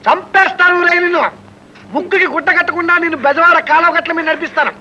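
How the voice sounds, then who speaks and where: Brief: a loud, bright, bragging comic husband in a film. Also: male voice, extremely high pitch, steady tone, fast talker, slight background noise, exaggerated voice, poor audio. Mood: blustering. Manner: blustering, threatening, boastful. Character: blustering boastful husband, hot-tempered. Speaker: angry husband.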